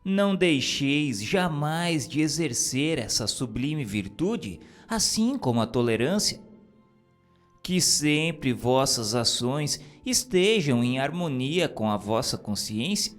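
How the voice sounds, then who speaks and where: A man reading a script of spiritual messages in a solemn, measured, preacherly manner. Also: medium pitch, big pitch swings. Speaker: narrator. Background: music.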